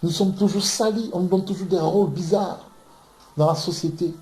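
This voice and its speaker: Recorded in an echoey London room, a man from Ivory Coast delivers impassioned, emphatic bible teaching, often repeating words while he searches for the next one. His voice is high and a little mellow, with a steady tone at a normal speed.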